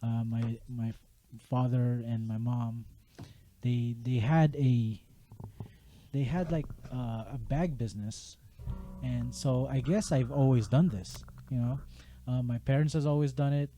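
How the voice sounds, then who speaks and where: A man from the Philippines, a game app developer, telling his story as a podcast guest in a relaxed, casual way. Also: mid-range voice, measured pace, soft background music. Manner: relaxed storyteller, casual slang, laughs easily. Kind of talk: casual interview chat.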